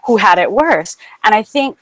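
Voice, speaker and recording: A woman's voice: mid-range voice, animated, normal speed, fairly bright tone, dry recording, rough recording. Thoughtful woman on a dry video call. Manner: thoughtful and affirming, builds on others' points. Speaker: panelist. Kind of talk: virtual panel discussion.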